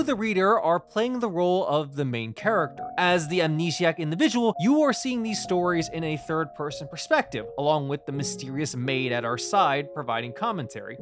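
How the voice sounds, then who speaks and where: Man, scripted review narration, expressive emphasis, swooping intonation, music underneath. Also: high voice. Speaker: video essayist and reviewer. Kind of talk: scripted video essay narration. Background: background music.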